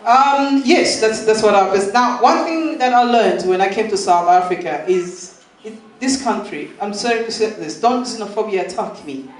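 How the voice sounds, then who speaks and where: A young man from Malawi doing a halting, rambling stand-up set, laughing at his own jokes, recorded at a live venue. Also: high-pitched. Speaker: stand-up comedian. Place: live comedy venue with audience. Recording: echoey room, far from mic, crowd noise.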